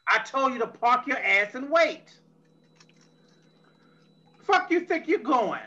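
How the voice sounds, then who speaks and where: A woman's voice: sits high, lively intonation, slow, sharp tone, heavily acted. A woman playing a brash, foul-mouthed, drunk female tech expert in an audio drama, swaggering and menacing, recorded on dull lo-fi audio. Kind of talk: amateur audio drama reading.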